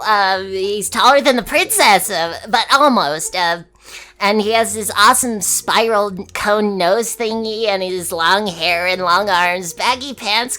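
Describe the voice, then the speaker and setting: A woman's voice: mid-range voice, sharp tone, low-quality recording. A woman voicing a young male pony colt, a whiny, eager child, in a fan fiction reading. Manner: childish, whiny, hesitant wording.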